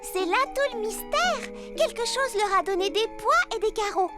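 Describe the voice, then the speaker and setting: A kind, cheerful cartoon girl who speaks gently and looks out for her friends. Her voice is very high and light. Loud children's music runs underneath. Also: expressive, normal speed. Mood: puzzled. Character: Charlotte aux Fraises, kind cheerful young girl. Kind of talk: French cartoon dub.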